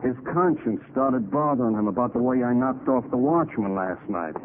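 An actor playing a cocky, slangy gangster killer in a 1940s radio crime drama. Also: male voice, mid-range voice, lively intonation, moderate pace, narrow, tinny audio, lightly acted. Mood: smug, cold. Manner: tough slangy gangster talk. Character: cocky male gangster killer and swindler holding a gun. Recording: scratchy, thin 1940s radio recording.

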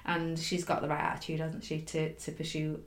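A woman with a Cheshire accent hosting a podcast, teasing her co-host warmly and laughing easily. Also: sits low, monotone, brisk. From North West England. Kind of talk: casual chat. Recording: roomy echo.

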